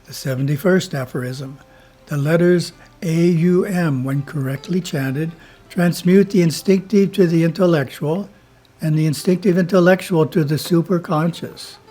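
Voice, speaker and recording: A man who is a spiritual teacher reads his editorial in a slow, measured way and chants Om between the passages. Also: a little high, warm tone, soft background music.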